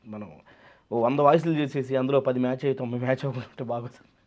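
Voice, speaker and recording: A male mimicry artist chatting as an interview guest, telling animated stories and mixing in English phrases. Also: medium pitch, fast talker. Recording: slightly dull lo-fi sound.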